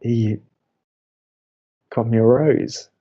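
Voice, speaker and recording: A man's voice: medium pitch, steady tone, extremely slow, husky, lo-fi sound. An actor playing a reserved, antsy young man in love, a college radio co-host, with a hesitant, dry, understated delivery in an audio romantic comedy. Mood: flustered, moved. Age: young adult.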